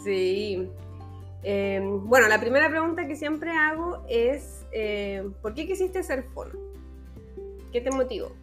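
High-voiced Chilean woman podcast host. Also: lively intonation, slow pace, a bit bright, soft background music. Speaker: podcast host interviewing a guest. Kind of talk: casual conversational interview.

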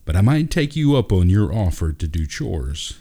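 Male narrator as caring, unsure working dad, storybook character; gentle, halting, everyday low voice. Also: very animated, full character voice. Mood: reassuring. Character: hesitant, kindly working father talking to son.

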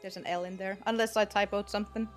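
A woman's voice: medium pitch, fairly even intonation, quick pace, soft background music. A Finnish woman, a native Finnish speaker, chatting casually as a podcast guest and laughing easily between phrases. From Finland. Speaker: guild master guest.

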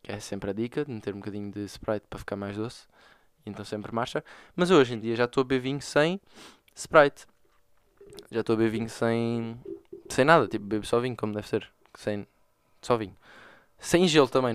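Man, young adult, European Portuguese accent, casual podcast host, slangy and joking, rapid talk, dry close sound. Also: medium pitch, smooth, no room sound. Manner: slangy, joking, excitable storytelling. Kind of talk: casual solo podcast monologue.

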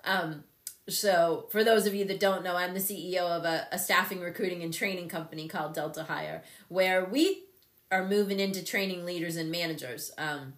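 Animated storytelling woman in her fifties. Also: fairly low pitch, moderate pace, echoey room. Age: 50s. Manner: candid, animated storyteller who laughs often. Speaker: show host and company CEO. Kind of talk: casual storytelling on a live show.

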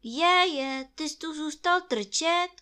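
A woman's voice: fairly high pitch, big pitch swings, a bit bright, pitched above the performer's own voice. A woman voicing a cautious, fussy little rabbit with a prim, polite manner in a storybook reading. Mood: tart.

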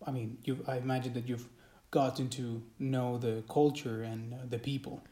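Male host, mellow tone, friendly and halting, echoey room. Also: medium pitch, level tone. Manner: friendly, hesitant with many fillers. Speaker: podcast host and English teacher. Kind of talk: casual interview chat.

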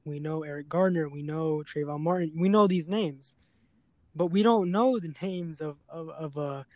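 Halting, somber man with a mellow voice. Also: on the high side, dry recording. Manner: halting, hesitant, repeats words. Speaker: podcast host. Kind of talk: serious, unscripted podcast conversation.

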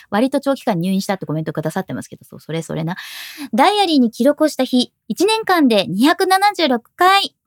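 Fast-talking, lively woman podcast host. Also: medium pitch, no echo, studio quality. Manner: upbeat, reads out viewer comments. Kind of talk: casual chat. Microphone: studio mic, live-streamed recording.

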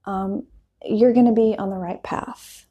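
A woman's voice: mid-range voice, steady tone, a little slow, slightly rough, muffled recording. A woman hosting an English lesson podcast in a patient, reassuring teacher voice, explaining things informally in simple words. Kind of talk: explanatory language lesson, unscripted.

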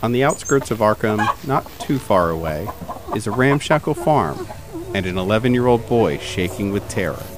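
A man's voice: lowish voice, lively intonation, moderate pace. A man narrating a tabletop horror game dramatically in the second person as game master.

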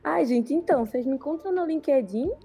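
A woman's voice: sits high, expressive, fairly quick, mellow, faint music behind. A woman with a northeastern Brazilian accent from Recife, chatting casually as a guest on a podcast.

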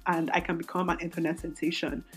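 Woman, 20s, solo podcast host, raspy strained voice, candid and rambling, faint music underneath. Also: fairly low pitch, steady tone, fast talker. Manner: rambling, self-interrupting, candid. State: voice strained from singing.

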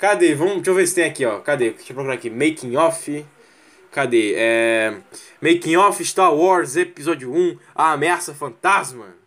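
A man's voice: a little high, lively intonation, moderate pace, a bit bright. A man with a Brazilian Portuguese accent hosting a live stream, ranting casually and profanely, mocking scenes with mimicry and sound effects. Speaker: livestream host. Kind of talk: casual rant.

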